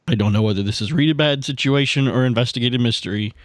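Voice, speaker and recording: A man's voice: medium pitch, fast, dry recording, studio quality. A man chatting casually as a player in a tabletop roleplaying game, thinking aloud and repeating himself.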